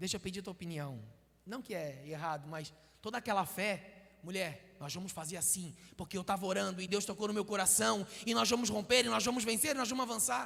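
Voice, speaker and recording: A man with a Florianópolis accent speaks at a fairly quick pace. His voice is high with lively intonation. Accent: manezinho (Florianópolis). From Florianópolis, Santa Catarina, Brazil. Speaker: preacher. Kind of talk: sermon.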